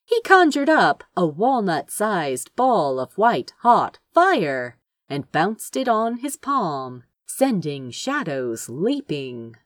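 A woman narrating fiction as an audiobook reader, in an expressive storytelling style. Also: lowish voice, slow, no room sound, clean studio sound.

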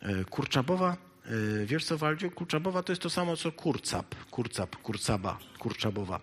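A man preaching a sermon, shifting between loud, emphatic exhortation and quiet, halting asides full of hesitations. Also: fairly high pitch, very animated, slight background noise. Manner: halting, with many hesitation fillers.

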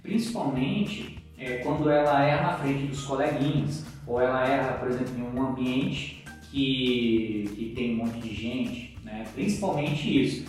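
A man teaching tips on children's speech in a live Q&A stream, talking in a loose, explanatory way full of fillers and tag questions. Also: mid-range voice. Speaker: co-host, teacher giving literacy tips. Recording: echoey room, far from mic, faint music.

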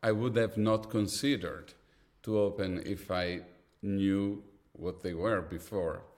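A man from Italy speaks as a guest in a casual interview, candid and ready to mock himself. His voice sits on the low side, and he drops casual swear words. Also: fairly even intonation, slow pace, darkish tone. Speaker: guest, designer.

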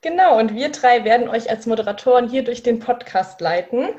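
A woman of twenty co-hosting a podcast in relaxed casual chat, with frequent fillers. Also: on the high side, a little fast, dull audio. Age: 20s. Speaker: podcast co-host.

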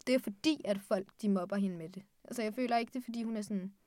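A woman's voice: mid-range voice, warm tone, no room sound, clean studio sound. A young woman in a casual book discussion who retells the plot hesitantly, with many fillers.

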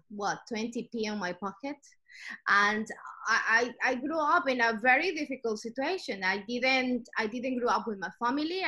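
A woman's voice: on the high side, sharp tone, rough recording. A middle-aged woman from Ecuador with an Ecuadorian Spanish accent, a native Spanish speaker answering interview questions in a reflective, storytelling way. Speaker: guest.

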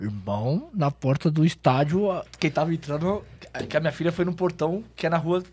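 A man's voice: on the high side, a little fast, a little mellow, a little hiss or hum. A man co-hosting a casual podcast, joking and bantering in a laid-back way.

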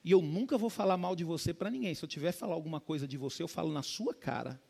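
A man's voice: on the high side, animated, fast talker, gravelly, mellow, breathy edge. A man preaching a conversational sermon as a pastor, often addressing the congregation as "dear ones". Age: adult with a young child.

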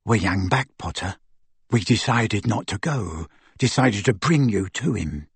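A man plays a big, dim teenage bully from a fantasy storybook. He talks in rough grammar with surly defiance. The sound is close and dry. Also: lowish voice, big pitch swings, unhurried, dry recording, voice pushed down, heavily acted. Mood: smug. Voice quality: soft, dull-toned. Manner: ungrammatical, surly, belligerent. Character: huge thuggish slow-witted teenage boy wizard henchman, defiant.

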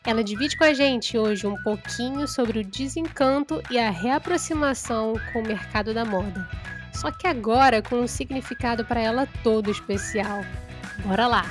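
A woman's voice: on the high side, normal speed, music in the background. A Brazilian woman hosting a podcast interview in an upbeat, joking way. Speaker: podcast host.

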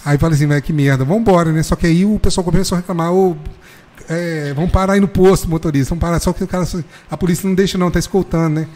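Man, rapid, fairly high voice, animated slangy storytelling. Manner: animated, slangy, keeps saying "velho". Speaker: football fan telling a story. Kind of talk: casual storytelling chat.

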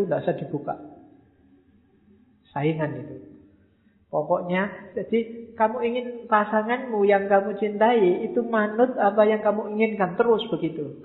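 Joking man lecturing in a hall. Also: high voice. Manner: humorous, mixes in quoted lines and local slang. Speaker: speaker giving a talk on love. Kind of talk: casual lecture to an audience. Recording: echoey hall, tinny phone-like sound.

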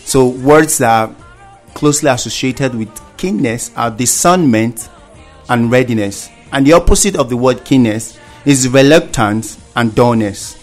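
A man explains new words on a children's radio program in a voice of ordinary pitch. His delivery is steady and explanatory, like a patient teacher. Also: measured pace, soft background music. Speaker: radio show co-presenter. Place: radio studio.

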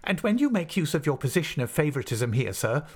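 A man's voice: fairly high pitch, sing-song, fairly quick, darkish tone, voice pushed up. A man voicing an anguished, indignant schoolmaster in a storybook, tremulous and formal, stumbling with agitation. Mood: indignant, wounded. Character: anguished adult male schoolmaster, indignant, trembling, wounded dignity.

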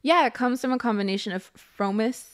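A woman's voice: a little high, a little fast, a little hiss or hum. A young woman co-hosting a podcast in casual chat, laughing often and rambling with fillers. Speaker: podcast co-host.

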